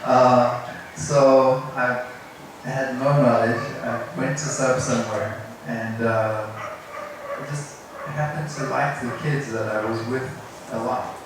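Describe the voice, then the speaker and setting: A middle-aged man from South Africa speaks slowly and haltingly, telling an informal story about himself. He is self-deprecating and picks his way through each phrase. The recording is very echoey and distant, with clear background noise. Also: mid-range voice, steady tone. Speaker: English teacher. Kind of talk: informal personal story to a group. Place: indoor room at a teachers' workshop. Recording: echoey room, distant mic, noisy.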